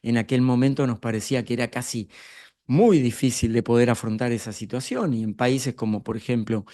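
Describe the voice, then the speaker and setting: An Argentine man speaks at a middle pitch, explaining ideas about leadership to a live audience. He talks in an explanatory way, turning to the room with rhetorical questions. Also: fairly even intonation, fairly quick, warm tone. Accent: Argentine Spanish. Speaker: speaker on leadership and emotional intelligence.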